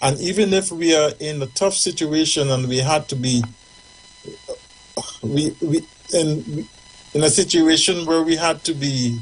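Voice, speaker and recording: A man with a Trinidadian accent speaks fairly slowly in a fairly high voice, with ordinary pitch variation, long, frequent pauses and noticeable background noise. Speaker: academic guest, doctor. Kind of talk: radio talk show discussion.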